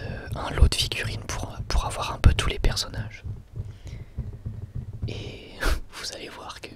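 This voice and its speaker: In a soft whisper, an ASMR creator presents a product in a relaxed, drily ironic manner, sounding hesitant and chatty.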